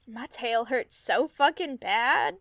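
Slow-talking, wistful young mer-person. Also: female voice, on the high side, expressive, heavy background noise. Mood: pained, worried. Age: young adult. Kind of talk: naturalistic audio drama acting.

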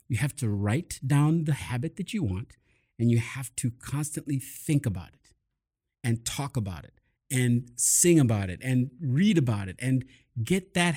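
A man hosting a casual chat, explaining mindset habits in an upbeat, quick way. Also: medium pitch, dark tone. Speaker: host and mindset coach.

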